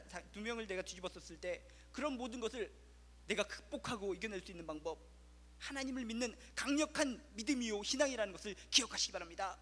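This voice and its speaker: Korean pastor guy preaching fast, high bright voice, long echoey church reverb. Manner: impassioned, rhetorical questions. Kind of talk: sermon.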